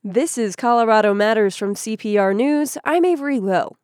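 A woman hosting a public radio program who introduces guests and asks questions in a clear, composed way. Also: fairly high pitch, lively intonation, moderate pace, a little mellow, dry recording, clean studio sound. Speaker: radio show host.

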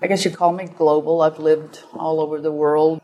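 A woman's voice: deep voice, flat delivery, normal speed, warm tone, poor audio. A woman in her seventies who speaks in a friendly way and laughs easily. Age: 70s. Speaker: guest.

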